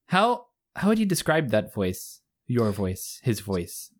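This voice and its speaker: A young man co-hosting a podcast in easy conversation, his voice a bit high and friendly. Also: wildly swooping pitch, takes it slowly. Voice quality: fairly high-pitched voice. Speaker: podcast co-host. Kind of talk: casual chat.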